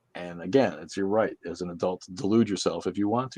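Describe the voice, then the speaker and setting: A man talks with a New England accent at fairly low pitch. His intonation is lively. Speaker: livestream host. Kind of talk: casual live-stream chat reading viewer comments. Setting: live stream.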